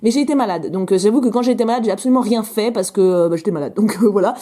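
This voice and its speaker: A woman opening fan mail in a casual vlog, chatty and gushing, her voice still rough from being sick. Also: medium pitch, racing, warm tone. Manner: chatty, gushing over drawings, interrupts herself. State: recovering from illness, voice a bit rough.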